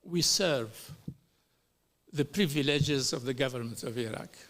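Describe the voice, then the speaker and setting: A middle-aged man from Algeria giving a formal speech as a panel speaker at a human rights hearing, slow and deliberate, with pauses and fillers. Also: mid-range voice, a bit bright.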